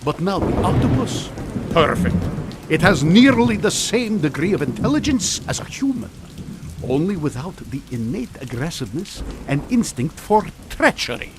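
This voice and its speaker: An actor playing a genial, unflappable older scientist in a comic radio drama, with breezy, politely teasing manners. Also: male voice, on the high side, very animated, normal speed, noisy background. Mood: amused, breezy.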